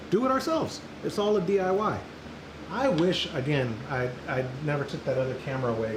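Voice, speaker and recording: Man, homebrew stream host, fairly high voice, rambling jokes, echoey, noisy background. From Central Texas. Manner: chatty, joking, rambling asides. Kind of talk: casual live-stream chat while brewing. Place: brewing area with flies around. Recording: echoey with loud background noise.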